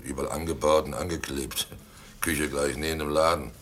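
An actor in a German radio play, playing a guilty, domineering and slyly jovial village innkeeper with a gravelly voice. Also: male voice, a bass voice, steady tone, normal speed, fairly bright tone. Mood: defensive.

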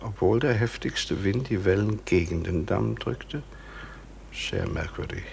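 An actor playing a formal, probing justice official in a radio crime drama, with measured, insistent questioning. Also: male voice, lowish voice, vocal fry, a little hiss or hum. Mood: sceptical, pressing. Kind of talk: German radio play acting.

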